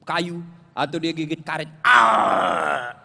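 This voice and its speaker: Joking high-voiced male preacher, echoing hall. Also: moderate pace. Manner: jokey, animated storytelling, addresses the audience directly. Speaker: Islamic preacher. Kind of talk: humorous sermon to a congregation. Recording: long hall reverb.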